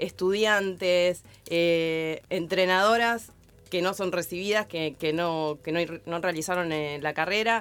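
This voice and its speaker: A woman speaks very slowly at a fairly low pitch with fairly even intonation. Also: very clean recording, silent background. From Argentina, La Matanza (Buenos Aires). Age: 40s. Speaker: football coach. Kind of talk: interview. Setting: studio.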